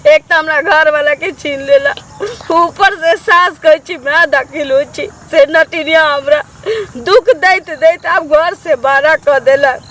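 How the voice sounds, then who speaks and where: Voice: sits high, moderate pace, hardly any pauses, bright, forceful tone. An actor playing a young grieving widow in a comedy sketch, speaking with a Maithili accent in a plaintive, wailing way. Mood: lamenting. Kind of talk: comic village sketch acting.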